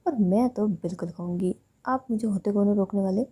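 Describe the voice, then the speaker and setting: A woman's voice: mid-range voice, fairly quick, dark tone, husky, natural voice. A woman voicing a curious young woman in love who keeps pestering her girlfriend with questions in a told love story. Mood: pleading. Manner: pleading, pestering.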